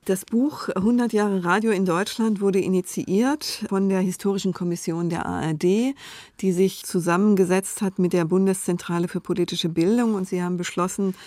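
A woman's voice: mid-range voice, fairly even intonation, moderate pace, a little mellow, no room sound. A woman interview guest explaining her book project conversationally, with informal, enthusiastic wording.

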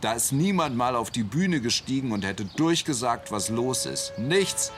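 A man's voice: mid-range voice, animated, measured pace, lightly acted. An actor playing a plain-spoken man who candidly recalls his bewildering first rock concert as a teenager in a radio play. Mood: indignant recollection. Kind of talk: German radio play monologue. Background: music.

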